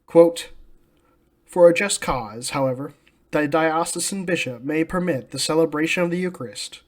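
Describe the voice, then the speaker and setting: A man with an American accent and a somewhat high-set voice delivers religious commentary from a script. His delivery is solemn and declarative, with emphatic stress on his claims. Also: normal speed. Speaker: host of a religious commentary channel.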